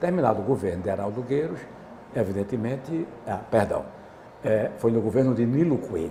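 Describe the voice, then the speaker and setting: A man speaks at a medium pitch with very wide pitch swings and long, frequent pauses over noticeable background noise. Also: moderate pace. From Paraíba, northeast Brazil (João Pessoa). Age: 70s. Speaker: hospital director. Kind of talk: interview.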